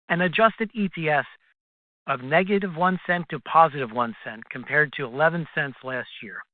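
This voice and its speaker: A man, a company finance executive, formally reading prepared earnings call remarks in a measured way over a conference line. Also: a little high, no echo. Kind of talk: scripted earnings call presentation. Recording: tinny, dry phone conference line.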